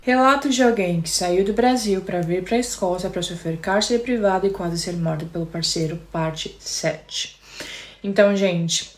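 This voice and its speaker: A young Brazilian woman with a Brazilian Portuguese accent, telling her own story to an audience in an emotional way and often speaking straight to the listeners. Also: fairly low pitch. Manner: emotional, keeps addressing listeners directly.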